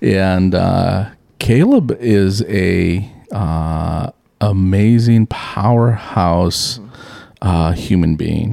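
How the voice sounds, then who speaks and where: A man with an American accent, fairly low in pitch, with ordinary pitch variation and a very slow pace. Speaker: podcast host. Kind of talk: casual interview chat.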